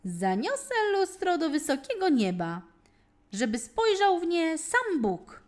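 A woman's voice: very high-pitched, wildly swooping pitch, slow, pitched above the performer's own voice, heavily acted. A woman voicing a conceited, wicked young male devil in a fairy tale, declaiming grandly. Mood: boastful. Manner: grandiose, declaiming in rhyme and boasts.

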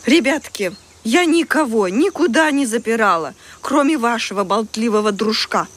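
A man's voice: extremely high pitch, animated, moderate pace, fairly bright tone, pitched above the performer's own voice, full character voice. A man reading a children's audio tale voices a stern, grumpy woman who works as a camp nurse. She scolds the children, then mocks them. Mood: sternly dismissive. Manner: scolding, then mockingly amused. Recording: music bed under the voice.

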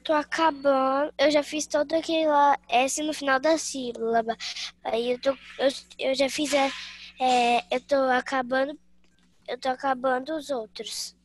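A woman's voice: sits high, fairly even intonation, unhurried. A pupil in an online class calling out to the teacher and chatting about her work. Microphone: video call.

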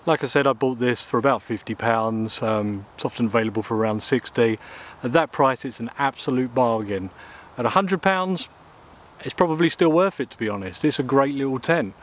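Here a man from England speaks a little fast in a mid-range, slightly bright voice. He's casually reviewing outdoor gear in the woods, in and beside a small tent, full of ums and uhs, recorded on a camera mic both close and at mid distance.

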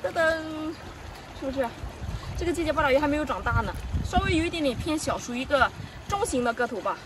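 A woman vlogging as she forages on a rocky seashore, giving excited live commentary full of delighted cries. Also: sits high, fast talker, background noise. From Shandong, China. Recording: distant mic with loud outdoor ambience.

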